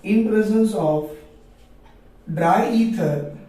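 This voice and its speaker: A man's voice: sits high, slow, mellow. A man with a South Asian accent giving a classroom chemistry lecture, asking questions and answering them himself, repeating phrases for emphasis. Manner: repeats phrases for emphasis, addresses students affectionately. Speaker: chemistry teacher. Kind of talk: classroom lecture for a video lesson. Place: echoey room, recorded away from the microphone. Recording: very echoey room, distant microphone.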